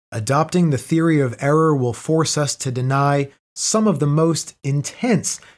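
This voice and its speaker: A man speaks at a moderate pace, his pitch fairly high with ordinary variation. The recording is very clean, with a silent background. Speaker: reader of another person's essay. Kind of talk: reading aloud. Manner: clear.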